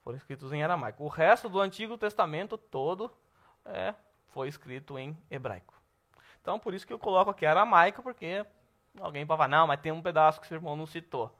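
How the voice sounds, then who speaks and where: Lively Brazilian man teaching a Bible class. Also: a little high, fast. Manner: lively, asks the class questions, says "tá bom?" often. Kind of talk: church Bible lesson.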